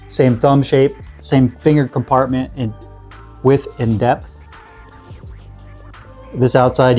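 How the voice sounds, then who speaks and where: A man with a cold, sniffling a bit, reviewing gear in a relaxed, rambling way full of fillers and restarts. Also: medium pitch. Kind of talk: casual product review.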